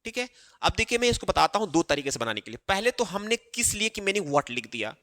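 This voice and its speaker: Man teaching grammar in a lively, bright voice. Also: high-pitched, big-room sound. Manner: explains slowly, repeating phrases with many fillers. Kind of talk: Hindi-language grammar lesson while writing on a board.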